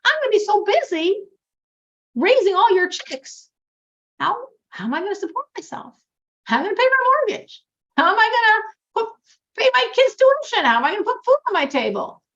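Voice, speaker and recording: A woman's voice: high voice, big pitch swings, bright, forceful tone, heavily acted. A woman voicing a fretful chicken farmer. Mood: anxious. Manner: fretful, rapid run of questions. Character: worried, overworked chicken farmer. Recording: dull lo-fi recording.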